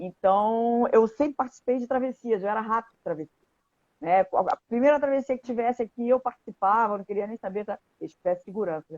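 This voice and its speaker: With a strong Carioca accent, a woman talks at a fairly high pitch with ordinary pitch variation and big swings in loudness, in a dry, close sound with no echo. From Rio de Janeiro, Brazil. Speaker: retired open-water swimmer. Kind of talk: casual interview chat. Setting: Instagram live video call.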